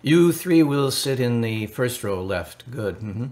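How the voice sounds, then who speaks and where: A man's voice: medium pitch, expressive, takes it slowly, a little mellow. A man acting the part of an earnest, solicitous Catholic priest in a radio drama, speaking formally and a little hesitantly in a consoling, pastoral way.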